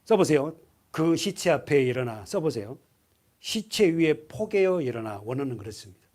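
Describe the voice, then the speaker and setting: A man's voice: on the high side, normal speed. A male pastor preaching a sermon to his congregation, asking them questions and acting out voices. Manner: lively, asks the congregation questions, acts out voices.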